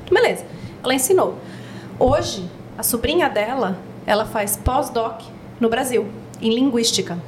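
A Brazilian woman chatting as a podcast guest, telling stories in a lively way and acting out what people said. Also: on the high side, moderate pace, a little hiss or hum, poor audio. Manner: animated storyteller, acts out quotes. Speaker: podcast guest, project founder. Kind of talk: casual podcast chat.

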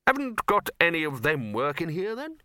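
Man putting on a gruff, blustering old wizard, pitched up. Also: wildly swooping pitch, moderate pace, pushed and bright, no echo, studio quality, exaggerated voice. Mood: indignant, firm. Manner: blunt, clipped, brusque, hectoring. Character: gruff, blustering, bossy old male wizard Arch-Chancellor. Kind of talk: comic fantasy storybook character voice.

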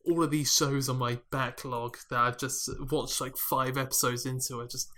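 A man's voice: medium pitch, level tone, normal speed, sharp tone, slight background noise. A British man co-hosting an anime podcast, chatting casually with frequent ums and restarts. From United Kingdom. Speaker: podcast co-host. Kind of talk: casual chat.

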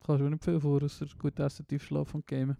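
A young man with a Swiss German accent, co-hosting a podcast in rapid, chatty casual talk and laughing easily. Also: a little high, monotone, creaky, mellow, no echo, studio quality. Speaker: podcast co-host. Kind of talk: casual chat.

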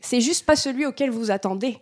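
A woman from the south of France hosting an interview, asking calm, curious questions. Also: fairly high pitch, a little fast. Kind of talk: conversational interview.

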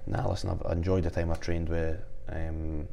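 A man's voice: deep voice, level tone, normal speed, vocal fry, dark tone, a little hiss or hum. A young Scottish man, a footballer, talking casually in a sports interview in a matey, hesitant way full of repeated filler phrases. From Scotland. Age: young adult. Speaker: professional footballer being interviewed.

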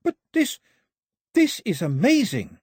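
A man's voice: a little high, big pitch swings, moderate pace, slightly rough, no room sound, studio quality, pitched above the performer's own voice. A man voicing an eager, curious girl explorer in an audiobook, exclaiming in amazement. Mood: amazed.

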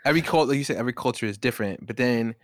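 A man on a casual podcast who circles his point with repeated false starts before committing to it. His pitch sits at an average level. The recording is dry and close. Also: very fast, no echo. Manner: restarts often, hesitant build-up before his point. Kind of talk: casual discussion.

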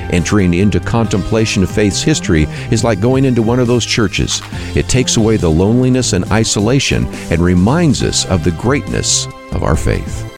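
Deep-voiced man narrating, lively intonation. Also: no room sound. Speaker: radio program host. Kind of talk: scripted radio teaching narration.

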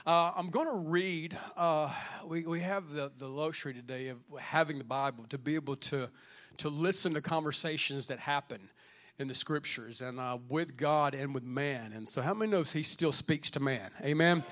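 A man with a somewhat high voice talks as a pastor to a congregation. The sermon is informal and conversational, with repeated phrases and prompts for agreement. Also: normal speed, fairly bright tone. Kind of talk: informal sermon with welcome and Bible reading.

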